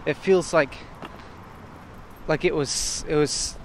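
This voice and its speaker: A man walking outdoors and thinking aloud in short, broken phrases, at times loud and assertive, almost shouting. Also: on the high side, steady tone, slow pace, a little hiss or hum. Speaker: vlogger. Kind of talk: reflective walking monologue. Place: outdoors on a street while walking.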